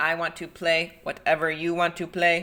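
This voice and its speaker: A man does a robotic, put-on character voice at a high pitch, monotone and flat, at a moderate pace. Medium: read story. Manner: mechanical robot talk.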